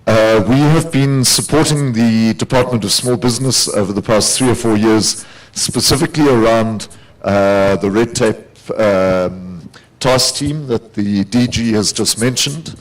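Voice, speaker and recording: A man with a gravelly voice from overuse, leading a program, gives steady panel remarks with many fillers. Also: fairly low pitch, a little slow, rough recording. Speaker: panelist, program team leader. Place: conference hall.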